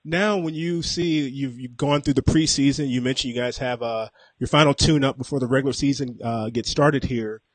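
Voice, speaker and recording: A man's voice: medium pitch, moderate pace, hardly any pauses, no room sound. A man hosting a sports radio show, asking questions steadily with some fillers. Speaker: radio host.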